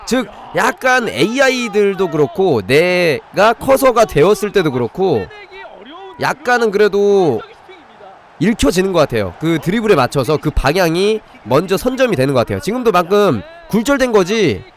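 Lively high-pitched man streaming games. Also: moderate pace. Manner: talks to viewers, thanks donors. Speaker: game streamer. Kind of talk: live game commentary and tutorial. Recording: music behind the voice. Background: music.

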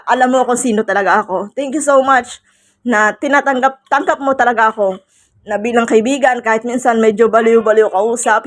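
A woman in her thirties talks to her viewers in a casual birthday vlog. Her voice sits a little high. She sounds heartfelt and emotional, and she mixes English phrases into her talk. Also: fairly bright tone. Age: 30s. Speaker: vlogger.

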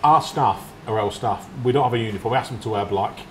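Blunt man, lowish voice. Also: fast talker, slight background noise. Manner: blunt, firm, matter-of-fact. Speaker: restaurant owner. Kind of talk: casual interview. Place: restaurant dining room. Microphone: lapel mic.

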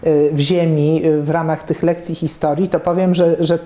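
A woman's voice: sits low, flat delivery, moderate pace, dark tone, reverberant. A woman in her fifties interviewing a guest, talking thoughtfully with many fillers and restarts. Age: 50s. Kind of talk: conversational interview. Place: office room with plants and bookshelves.

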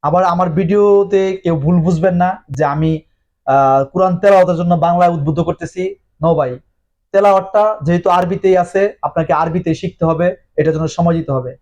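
A man's voice: sits high, fairly quick, a little mellow. A man giving a direct-to-camera talk on religion, earnest and persuasive, throwing rhetorical questions at the viewer and dropping in English words. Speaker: religious commentator.

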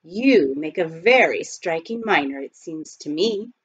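A woman's voice: sits low, expressive, measured pace, breathy edge, lo-fi sound, pitched below the performer's own voice, exaggerated voice. A woman voicing a genteel, joyful and teasing aunt with exclamatory manners in a storybook reading. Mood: teasing, delighted. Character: genteel adult aunt, joyful, teasing, firm-minded Boston lady.

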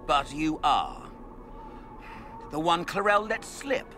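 A pompous, sneering villain lord drawls theatrically in a fantasy video game. His fairly high voice swings widely and unhurriedly, over clear background music. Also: sing-song, takes it slowly. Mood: smug, mocking.

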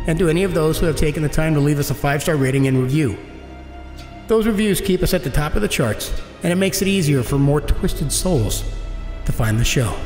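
A man presenting a podcast, reading scripted credits and announcements to listeners. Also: on the high side. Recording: echoey, reverberant, soft music underneath.

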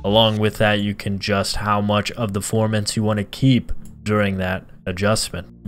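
Low-pitched man presenting a tutorial. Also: a bit bright. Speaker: host of a live-streaming tutorial channel. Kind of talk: scripted tutorial narration. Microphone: close broadcast microphone on a boom arm.

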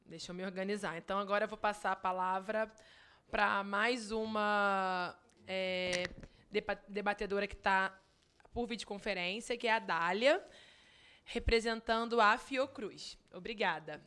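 A woman in her thirties chairs a parliamentary hearing, speaking into a desk microphone in a committee room. Her voice is bright and crisp. She sounds polite and a little apologetic as she keeps everyone on time. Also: medium pitch, measured pace.

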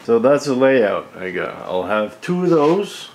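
A man's voice: mid-range voice, very animated, measured pace, a little mellow. A man giving a casual, folksy how-to narration while working in a garage workshop. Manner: folksy, informal. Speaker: host of a woodworking channel. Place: home garage workshop, indoors. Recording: clear background noise, workshop ambience.

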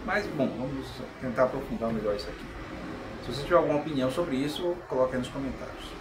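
A middle-aged Brazilian man giving an informal video lecture, conversational and often checking in with tag questions. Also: medium pitch. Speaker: channel host and philosophy explainer. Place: small tiled room, indoors. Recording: echoey room with clear background noise.

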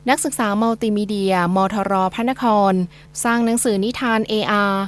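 A woman's voice: a little high, fairly even intonation, normal speed. A woman reading scripted news as a radio newsreader.

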